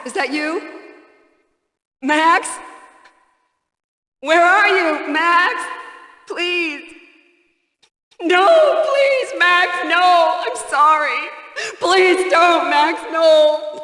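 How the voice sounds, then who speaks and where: An actress in a game playing a frightened woman who pleads slowly and tearfully, like someone in a nightmare. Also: extremely high pitch, sharp tone, exaggerated voice. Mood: frightened, pleading. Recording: long echoing reverberant hall.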